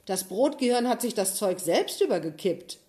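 A woman voicing a boastful, bullying schoolboy who talks in a smug, menacing way, raised and loud, in a storybook reading. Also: medium pitch, animated, normal speed, pitched above the performer's own voice, close to an everyday voice. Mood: sneering.

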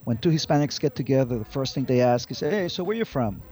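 Higher-pitched man in his fifties, lo-fi. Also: lively intonation, quick pace, dark tone, slightly rough. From Colombia. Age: 50s. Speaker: interview guest, advocacy group spokesman. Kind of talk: conversational interview answers. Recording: dull lo-fi audio with music.

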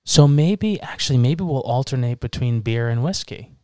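A man's voice: mid-range voice, animated, normal speed, darkish tone, no room sound, studio quality. A man in his thirties from Massachusetts, co-hosting a casual podcast chat over beers, joking and teasing with a laugh. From Massachusetts, USA. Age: 30s. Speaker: podcast co-host.

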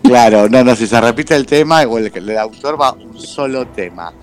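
A man's voice: mid-range voice, moderate pace, faint music behind. A man with an Argentine accent, hosting a casual, joking radio chat show. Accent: Argentine Spanish. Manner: animated, jokey, uses voseo. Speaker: radio host.

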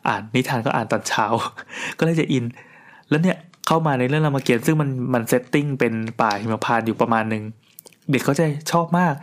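A middle-aged man casually telling a long personal story in a chatty, rambling way, with restarts and crude asides. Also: mid-range voice.

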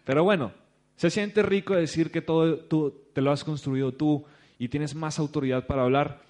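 A man's voice: a little high, moderate pace. A man with a Mexican accent gives a business talk to an audience, telling a story and acting out the people in it. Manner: animated, acts out the people he quotes. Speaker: business speaker.

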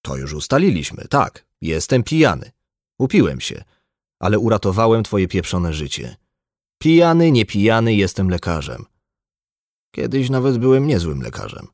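A man voicing a blunt, embittered, drunk male doctor in an audiobook, gruff and lecturing. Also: lowish voice, sing-song, moderate pace, no echo, studio quality. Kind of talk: audiobook dialogue.

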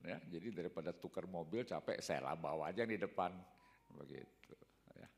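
Older guy chatting casually, keeps tacking on "ya", voice all over the place pitchwise, big reverby hall. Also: animated, vocal fry. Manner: rambling, fills pauses with a tag "ya". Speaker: speaker giving a talk. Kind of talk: casual anecdotal talk.

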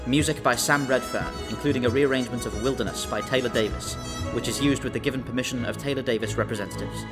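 Male announcer, scripted credits read, mid-pitched, music underneath. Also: fast. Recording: voice over string music.

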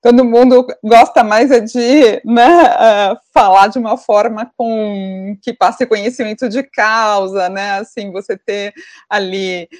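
A woman's voice: medium pitch, fairly even intonation, takes it slowly, darkish tone, no echo, studio quality. A woman interviewer asking long, engaged questions, often adding "né". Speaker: interviewer, host.

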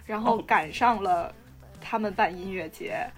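A woman co-hosting a podcast in casual chat, calmly filling in details of a shared story. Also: mid-range voice, measured pace, faint music behind. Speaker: podcast co-host.

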